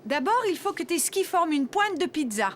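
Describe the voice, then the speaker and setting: A woman voicing a gentle, patient mother in a children's cartoon, encouraging and reassuring. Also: very high-pitched, very animated, moderate pace, background noise.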